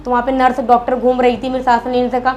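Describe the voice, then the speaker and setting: A woman recounts a hospital stay in casual vlog talk, matter-of-fact and plain. Her voice sits a little high but barely rises or falls, with faint ambient noise behind her. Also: completely flat delivery, quick pace, darkish tone, lo-fi sound. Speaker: vlogger, wife. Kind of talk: casual storytelling chat.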